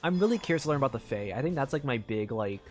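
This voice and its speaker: Animated game streamer thinking aloud. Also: medium pitch, very fast, slight background noise. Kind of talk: casual playthrough commentary, reading game text aloud. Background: game music.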